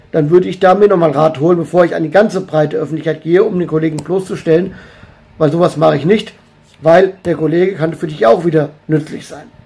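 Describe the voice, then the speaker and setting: This man talks at a very fast pace. His pitch is fairly high, and his intonation is fairly even. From Hesse, near Gießen. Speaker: DJ. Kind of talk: video statement.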